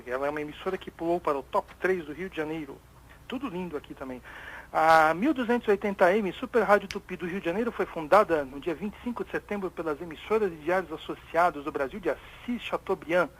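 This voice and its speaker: A man's voice: high voice, slight background noise, low-quality recording. A Brazilian man co-hosting a radio talk show, chatting casually with many restarts and reading news items aloud. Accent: Brazilian Portuguese.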